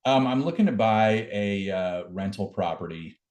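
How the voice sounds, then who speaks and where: A man's voice: lowish voice, expressive, normal speed, darkish tone. A man giving a casual product demo, hesitant and full of fillers. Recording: echoey room.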